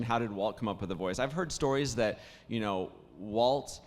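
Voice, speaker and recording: A man who is a voice actor, hoarse after days of talking, telling stories in casual panel conversation with plenty of restarts and fillers. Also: mid-range voice, long reverb tail. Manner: warm storytelling, many restarts and fillers.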